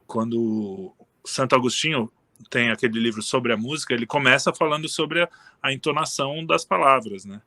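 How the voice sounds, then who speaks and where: A man with a mid-range voice, speaking at normal speed with no echo, chats casually as an interview guest. He's relaxed and rambling, restarting sentences often and leaning on fillers.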